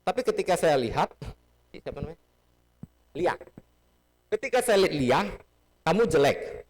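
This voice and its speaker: A man's voice: on the high side, very animated, normal speed. A man giving a casual Buddhist sermon in a temple hall, teaching playfully and asking the audience questions. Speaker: Buddhist dharma speaker.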